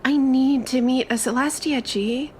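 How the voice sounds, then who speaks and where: A woman's voice: high-pitched, fairly even intonation, measured pace, a little mellow, a little hiss or hum. A woman playing an eager, chatty young traveler in a tabletop roleplay, with gushing, informal, stop-start chatter. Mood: eager, insistent.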